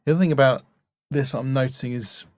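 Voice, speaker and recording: Critiquing demo reels, a male voice-over coach talks in a casual, reflective way, leaning on important words for emphasis. His pitch is medium and he talks fast, recorded at studio quality with no room sound.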